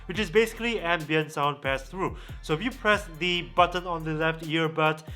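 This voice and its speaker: Male tech reviewer, slightly high and sharp-edged voice, measured emphatic phrasing for a gadget comparison. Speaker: tech reviewer, vlog host. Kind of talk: product review to camera.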